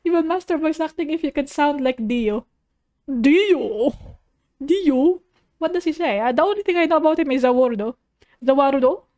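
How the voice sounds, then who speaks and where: A woman's voice: sits high, animated, normal speed, darkish tone. A woman streamer chatting casually as she reacts to videos, playful and rambling, with a giggly manner. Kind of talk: casual livestream reaction chat. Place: living room.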